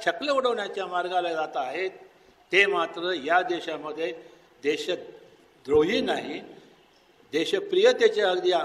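His pitch varies in an ordinary way. The speaker is a man with a high pitch. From Konkan, Maharashtra; Maharashtra. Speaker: speaker at literary conference; conference speaker. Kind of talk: public speech. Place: hall. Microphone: podium.

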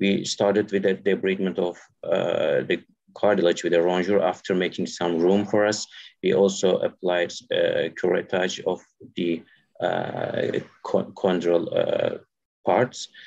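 Speaking in a Turkish accent, a man keeps a fairly slow pace. His loudness stays very even against a quiet background. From Turkey. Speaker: orthopaedic surgeon. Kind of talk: case presentation. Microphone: video call.

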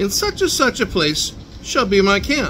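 The talking keeps a moderate speed, with slight noise in the background. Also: man. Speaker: pastor. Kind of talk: sermon. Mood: earnest, expressive. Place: home room. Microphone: phone near.

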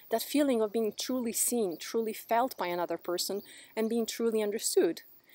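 Spoken with an Italian accent at a fairly quick pace, the voice has a dark, mellow tone and ordinary pitch variation, with a dry sound and no echo. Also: woman. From Italy. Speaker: video creator explaining addiction. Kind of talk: educational monologue. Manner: explanatory, slightly hesitant with fillers. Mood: calm, earnest. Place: garden. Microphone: phone near.

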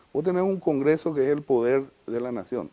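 A man with a dark, mellow tone talks at a medium pitch and a moderate pace, with lively intonation. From Paraguay. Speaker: senate candidate and business consultant; candidate. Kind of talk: TV interview. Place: studio. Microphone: lapel.

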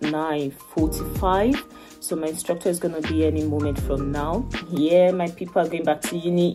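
Moderate-paced speech with ordinary pitch variation over clear music in the background. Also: woman, very deep, low pitch for a woman. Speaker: vlogger. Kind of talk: casual vlog chat. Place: home room. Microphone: phone near.

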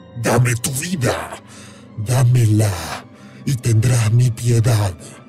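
A man does a put-on character voice in a menacing tone at a medium pitch and very slow pace. Clear music plays in the background. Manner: stammering, menacing.

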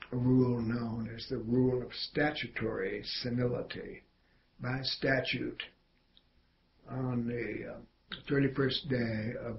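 A man's somewhat breathy, monotone voice at a very slow pace, with light background noise and flat intonation. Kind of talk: oral history interview answer. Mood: wry, dryly humorous. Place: office.

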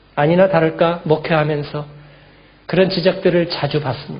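His intonation holds fairly even. The man's pitch is high. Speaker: pastor. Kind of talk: sermon. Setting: church.

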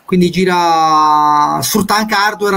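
A man's voice, with ordinary pitch variation, is heard against light background noise. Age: 40s. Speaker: software developer; guest. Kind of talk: casual chat. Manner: halting. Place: home room. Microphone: webcam.

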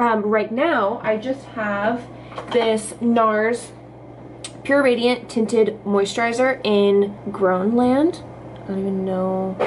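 A woman speaks at a very slow pace, with long, frequent pauses and ordinary pitch variation. Noticeable background noise runs underneath. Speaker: beauty vlogger. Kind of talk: makeup tutorial. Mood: relaxed, cheerful. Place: bathroom. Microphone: phone near.

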